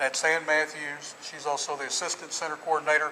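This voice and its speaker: A man with a fairly high voice talks fairly quickly while noticeable background noise carries on behind him. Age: 60s. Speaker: community college center director. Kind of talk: facility tour interview. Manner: enthusiastic; hesitant fillers.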